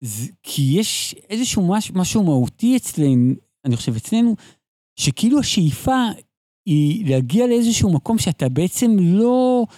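A man talking in a fairly high, very lively voice that rises and falls widely, with a mellow, dark timbre. He tells rambling stories as an interview guest, restarting sentences often. The recording is close and dry. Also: no echo. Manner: animated, digressive, frequent restarts. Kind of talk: casual storytelling conversation.

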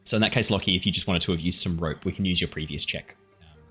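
A man with a very deep voice narrates a tabletop roleplaying game off the cuff as its game master. He slips between description and casual, self-deprecating chat with players. Faint music plays behind him. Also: fast talker, sharp tone, slightly rough.

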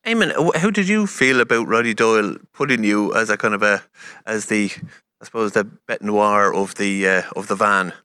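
A man's voice: lowish voice, moderate pace, pushed and bright, smooth, no echo. A man, hosting a panel chat and steering it in an easygoing but firm way. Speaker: host.

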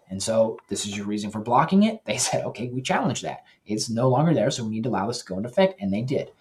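A man hosting a Christian news commentary show, talking earnestly and directly to his listeners, often pausing and correcting himself. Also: medium pitch, a little mellow. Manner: earnest, with self-corrections and pauses.

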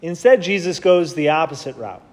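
Priest in a cathedral echo, higher voice. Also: male voice, expressive, darkish tone. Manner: measured reading, then plain conversational preaching with fillers. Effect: cathedral echo, long church reverb. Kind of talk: gospel reading and homily at Mass. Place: large church. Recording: long reverb of a big church.

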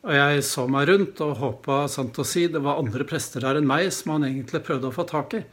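Reflective pastor telling a story, raised pitch. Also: male voice, a bit bright. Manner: reflective, with frequent hesitations. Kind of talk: sermon storytelling.

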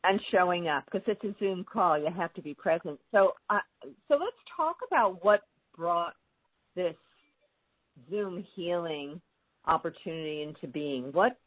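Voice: mid-range voice, lively intonation, unhurried, no room sound. An interview host asking encouraging questions and prompting the guest to explain more. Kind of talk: interview conversation. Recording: dry tinny phone-like line.

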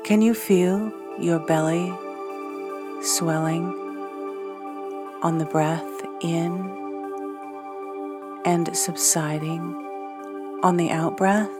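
Female meditation guide, lowish pitch, very unhurried and soothing, short phrases with long pauses, new-age music clearly underneath. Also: fairly even intonation. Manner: gentle, soothing, soft-spoken delivery with long pauses. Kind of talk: scripted guided meditation narration.

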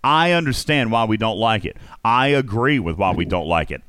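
Man, host, casual discussion, very lively pitch, questioning, musing aloud, dry close sound. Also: normal speed, clean tone, no room sound. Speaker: podcast host.

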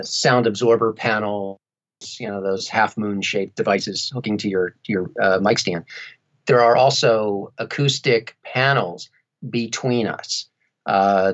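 A man's voice: fairly low pitch, fairly bright tone, muffled recording. A middle-aged man talking conversationally and a little wryly as an interview guest. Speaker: interview guest, audiobook narrator.

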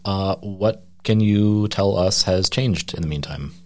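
A man interviewing a guest, asking measured questions with many hedges. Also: low-pitched. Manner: measured, hedging with "kind of".

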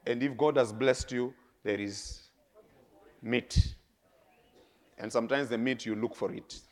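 A middle-aged man with a Kenyan accent, preaching a sermon with lively stories, laughing and swinging between soft and loud. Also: medium pitch, measured pace. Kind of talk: sermon with storytelling.

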